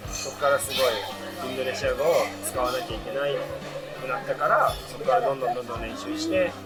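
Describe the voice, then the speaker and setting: A man's voice: mid-range voice, animated, very fast. A man talking casually and colloquially as an interviewee and video creator. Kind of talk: casual chat. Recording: very loud music behind.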